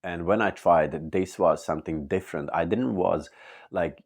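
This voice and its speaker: A man from Latvia sharing a personal faith testimony in earnest, halting English with many pauses. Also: low-pitched, gravelly, darkish tone. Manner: earnest and open. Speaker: church member giving testimony.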